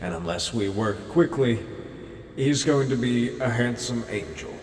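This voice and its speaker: A man's voice: mid-range voice, lively intonation, a little slow, a little mellow, echoey room, long reverb tail, slight background noise, pitched below the performer's own voice. A man voicing the astral spirit of a wry sorcerer in a dreamy, distant, ethereal voice, as part of a comic book recap.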